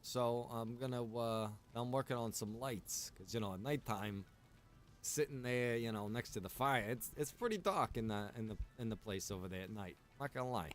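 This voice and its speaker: A man chatting casually in game roleplay, repeating himself and pausing as he talks. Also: medium pitch. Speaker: roleplay game streamer and server developer.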